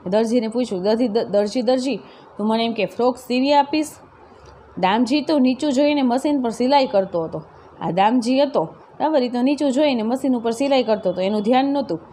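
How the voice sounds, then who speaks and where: Gujarati teacher retelling a story. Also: female voice, fairly high pitch, brisk, mellow, slight background noise. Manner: reads a line, then retells it in plain words with tag questions. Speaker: school teacher. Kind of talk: reading and explaining a story lesson. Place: classroom-style video lecture.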